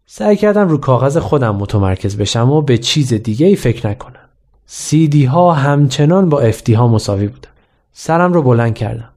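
A man's voice: medium pitch, expressive, darkish tone. A man narrating a humorous school memoir in a wry, self-mocking way. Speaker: storyteller.

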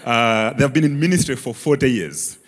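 A man's voice: mid-range voice, animated, normal speed, husky. A young man from Malawi with a Malawian accent, sharing his story earnestly in an onstage church interview. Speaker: church member guest. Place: large church auditorium, on stage. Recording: reverberant church hall.

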